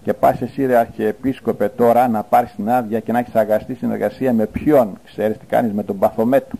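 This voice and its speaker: A man, a priest, preaching a fiery sermon in a scornful, denouncing manner, with sudden loud outbursts. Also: on the low side, fairly even intonation, vocal fry, low-quality recording.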